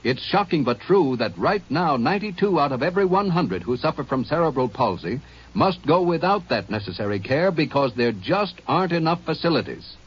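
An earnest male radio announcer makes a charity appeal with dramatic pauses. His husky voice rises and falls in a lively way. It comes through a muffled 1950s broadcast. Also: on the high side.

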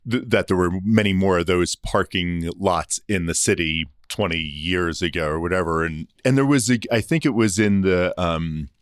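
A man guest speaking in a measured way with many fillers in a conversational discussion. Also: deep voice, smooth, no echo, studio quality.

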